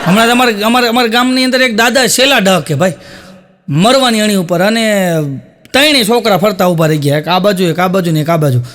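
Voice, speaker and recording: High-voiced folksy joke-teller man. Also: a little fast, a bit bright. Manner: folksy storyteller acting out village characters. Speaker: comedian. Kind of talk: stand-up joke telling.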